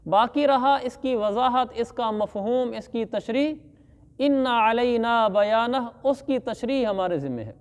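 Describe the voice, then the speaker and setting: A man giving a religious lesson on Quran commentary, reciting verses slowly and then explaining them plainly. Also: very high voice, lively intonation, long reverb tail. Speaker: Islamic scholar teaching Quran commentary.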